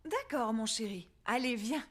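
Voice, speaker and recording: A woman's voice: fairly high pitch, a little slow. A woman voicing a tender, patient young mother in a children's cartoon, soothing and encouraging.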